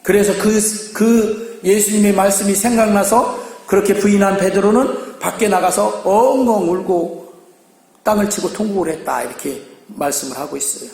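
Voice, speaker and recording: A high-pitched man preaching a sermon, his voice ringing through a church hall with a long echo. He speaks with emphatic fervor and acts out the lines he quotes. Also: normal speed, creaky, darkish tone. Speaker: pastor.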